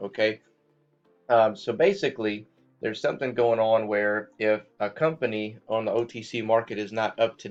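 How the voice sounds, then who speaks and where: A man's voice: lowish voice, muffled recording. A man hosting a finance channel, talking casually to his viewers with lots of fillers and checking in with "okay?" as he goes. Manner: loose and chatty, many fillers, checks in with "okay?". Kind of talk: casual market commentary to viewers.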